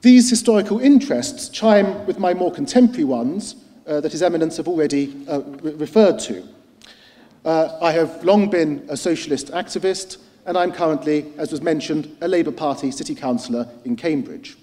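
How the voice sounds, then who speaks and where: A middle-aged man giving a formal lecture as a historian. He speaks in a measured, articulate way with frequent hesitant "uh"s. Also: a little high, dark tone. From United Kingdom. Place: lecture hall at a cultural centre. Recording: long reverb of a large hall.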